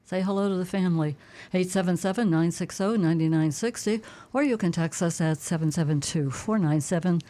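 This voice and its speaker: A woman from Pittsburgh co-hosting a radio talk show, chatty and quick to laugh. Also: fairly low pitch, warm tone. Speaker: co-host.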